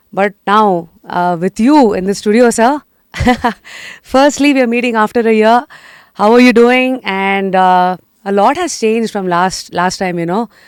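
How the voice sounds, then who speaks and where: In a very clean recording with a silent background, a woman with a Kannada accent talks at a fairly slow pace, her fairly high pitch showing ordinary variation in a dry, close sound with no echo. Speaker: interviewer, channel host. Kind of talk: interview conversation. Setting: studio.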